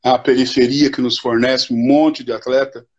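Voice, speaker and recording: Older male coach, husky voice, thoughtful and slow to the point, muffled stream audio. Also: mid-range voice, level tone, a little mellow. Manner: reflective, unhurried, with repeated "né?". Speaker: futsal coach, guest. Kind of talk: casual live interview chat.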